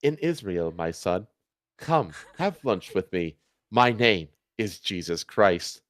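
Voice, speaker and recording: A gentle holy man played by a man speaks low and hushed, slow and tender, like a soft-hearted lover in a comic storybook reading. The sound is dry and close. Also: sing-song, no room sound, full character voice. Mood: serene welcome.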